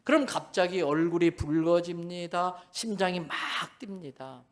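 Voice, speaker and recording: A male pastor preaching a sermon at a church service. He is animated, acts out bits of dialogue and swings between soft and loud delivery. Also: sits high, moderate pace.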